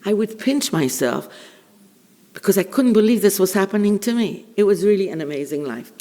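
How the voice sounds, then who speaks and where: A woman's voice: medium pitch, animated, warm tone. Older Israeli woman storyteller in a reverberant hall. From Israel, born in Bulgaria. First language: Ladino. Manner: theatrical, wry, deliberate pauses. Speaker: public speaker, veteran journalist. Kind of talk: humorous personal storytelling to an audience.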